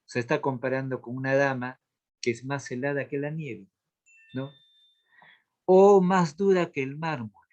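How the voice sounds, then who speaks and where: A man teaching a literature class, explaining slowly and repeating key terms so students can take notes. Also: medium pitch, steady tone, darkish tone. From Latin America. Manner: slow, repeats key terms for note-taking. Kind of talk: classroom lesson.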